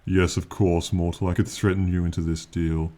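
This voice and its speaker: A man plays an ancient, proud male dragon in a fantasy ASMR roleplay, his voice sitting low with a warm tone and little pitch movement, lightly acted. He speaks slowly and formally in lofty, archaic phrasing, with a condescending yet fond authority that feels regal and reassuring.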